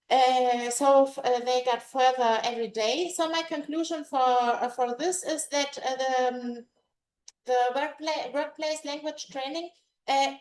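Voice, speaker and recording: High-pitched woman, native greek and german speaker, halting english talk at a conference, lots of restarts, roomy echo. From Greece. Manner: halting, searching for words, with many restarts. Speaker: language teacher presenting at a conference. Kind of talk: conference presentation. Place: conference room. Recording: echoey room.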